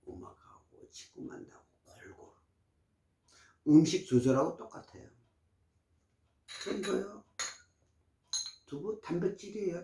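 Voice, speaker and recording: A vlogger in his sixties talks to camera giving health advice, casual but emphatic and preachy. His voice sits high and is a bit bright, and the recording has a roomy echo.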